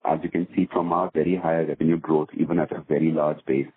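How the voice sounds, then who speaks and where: A man with an extremely deep, husky voice answers as a business executive. He talks spontaneously in corporate terms, through a narrow telephone-like connection. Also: flat delivery, fast talker. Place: conference call. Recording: muffled narrowband phone line.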